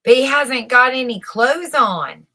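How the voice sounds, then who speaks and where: A woman voicing astonished, excitable townsfolk in a storybook, gasping out a scandalous remark. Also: high-pitched, a little slow, voice pushed up, heavily acted. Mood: gasping surprise. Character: astonished townsfolk and father passing on a child's blunt remark.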